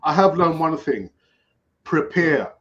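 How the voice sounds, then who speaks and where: A man's voice: on the high side, lively intonation, slow pace, a bit bright. A man in a casual chat giving advice, speaking emphatically and repeating key words. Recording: dull lo-fi sound.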